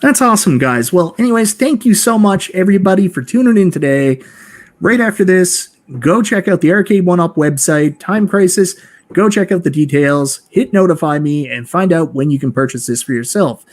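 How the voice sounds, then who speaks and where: A man's voice: high voice, lively intonation, moderate pace. A man hosting a live online show, upbeat and enthusiastic as he moves between guests. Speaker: show host.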